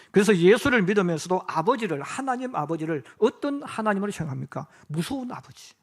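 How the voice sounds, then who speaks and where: A male pastor preaching a sermon in a church. He keeps putting questions to the congregation and answering them himself. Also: high voice. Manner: addresses the listeners directly and often. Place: church sanctuary.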